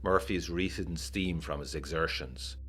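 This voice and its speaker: An actor playing a haunted, uneasy war veteran of the 1920s, narrating his letters in a measured, literary, brooding way for a gothic audiodrama. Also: sits low, a bit bright, a little hiss or hum.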